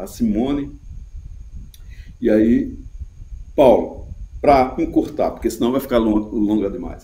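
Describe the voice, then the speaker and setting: Vocal fry and a dark, mellow tone with lively intonation, a fairly slow pace, long, frequent pauses, and audible room echo. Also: man. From Alagoas, Brazil (Murici). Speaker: composer and music producer. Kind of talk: interview. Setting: TV studio. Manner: halting, many repetitions.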